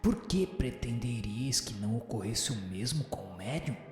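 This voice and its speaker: A man voicing a wise, patient spirit teacher in a radio drama, answering in a formal, didactic, measured way. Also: medium pitch, expressive, close to an everyday voice. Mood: solemn, instructive. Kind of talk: scripted radio drama reading of a spiritual text. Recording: very echoey hall-like reverb with music behind.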